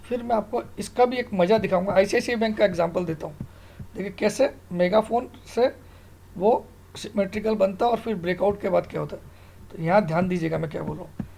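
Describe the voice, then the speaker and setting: Creaky-voiced man teaching. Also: high voice, mellow. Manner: repeatedly questions and checks with the listener. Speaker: stock market analyst and online tutor. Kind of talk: informal screen-tutorial explanation of trading charts.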